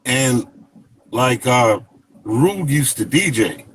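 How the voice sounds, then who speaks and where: A man in his fifties from Jamaica, telling stories as an interview guest in a relaxed, rambling way, full of fillers. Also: medium pitch, takes it slowly, a little hiss or hum. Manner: relaxed, rambling, many fillers and "you know what I mean". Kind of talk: casual interview storytelling.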